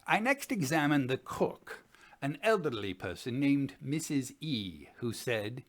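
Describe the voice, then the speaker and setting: A man in his sixties giving a measured, formal dramatic reading as the narrator of an old investigation report. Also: medium pitch, sing-song. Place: small home study, indoors.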